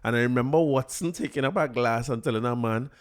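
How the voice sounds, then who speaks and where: A Trinidadian man hosts his own podcast in a loose, chatty way. He jokes, laughs often and stumbles over repeated words, and his voice sits at an ordinary middle pitch. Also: fast, smooth. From Trinidad and Tobago. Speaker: podcast host. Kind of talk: casual solo commentary.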